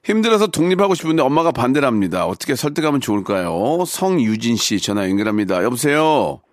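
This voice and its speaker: A man hosting a radio call-in show on a studio microphone, playful and teasing, coaching callers with loud bursts. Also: mid-range voice, big pitch swings, fast, no echo.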